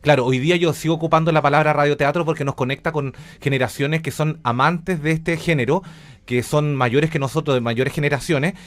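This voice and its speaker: A man's voice: a little high, fairly even intonation, a little fast. A man with a Chilean accent speaking as a radio interview guest, explaining things in an informal, enthusiastic way. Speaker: interview guest, radio drama director and academic.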